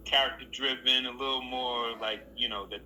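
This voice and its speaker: A man telling an animated story about acting, leaping up in pitch when he quotes people. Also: moderate pace, very noisy. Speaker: actor telling a set story. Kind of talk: casual storytelling.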